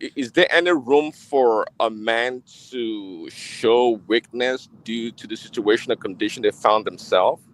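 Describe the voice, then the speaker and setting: A man of middling pitch, speaking on a live discussion panel. He feels his way through a question with ums and false starts. His tone is thoughtful and unhurried. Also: slight background noise, low-quality recording. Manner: hesitant, halting, many fillers. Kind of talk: casual live-room chat.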